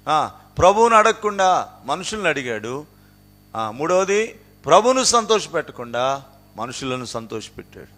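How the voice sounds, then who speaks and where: A man preaching a sermon in a Telugu accent. He repeats his rhetorical questions and scripture references, and he swings between low, quiet passages and raised, emphatic outbursts. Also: sing-song, moderate pace, long pauses. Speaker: pastor.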